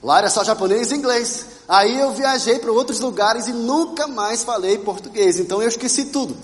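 A man from Brazil preaches a testimony sermon with a light, high voice. He tells his story with animation and turns to ask the congregation questions. His voice rings out in a hall with a long echo. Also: normal speed. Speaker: pastor. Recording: reverberant church hall.

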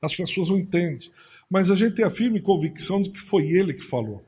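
A man's voice: sits high, animated, a little fast, darkish tone, slightly rough. A man preaching a sermon as pastor, telling stories and acting out the voices in them.

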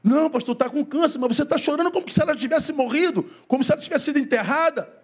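A middle-aged pastor delivers a sermon to his congregation at a quick pace, swinging widely in pitch and pace and putting questions to the listeners.

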